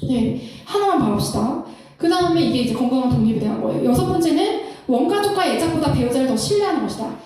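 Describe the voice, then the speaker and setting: Animated high-voiced woman in echoey room. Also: fast talker, distant mic. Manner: animated, laughs often, acts out couples' lines. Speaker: Christian counselor. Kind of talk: lecture-style talk.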